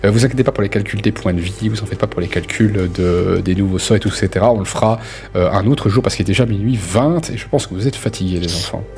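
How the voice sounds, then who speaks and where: Low-voiced man running a tabletop game. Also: quick pace, darkish tone. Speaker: game master and channel host. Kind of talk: relaxed tabletop role-play game mastering. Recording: music behind. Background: music.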